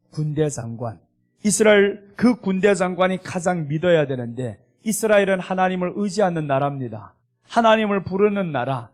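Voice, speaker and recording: A man pastor preaching a sermon, emphatic, voicing the scripture quotes as he explains them. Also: sits high. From South Korea.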